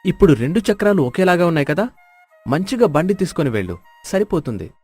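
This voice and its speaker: A man voicing rough, scheming village men in an animated moral story, gruff and challenging. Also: a little high, quick pace, soft background music. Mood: mocking. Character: rough, scheming village men: troublemaker and deep-voiced fisherman.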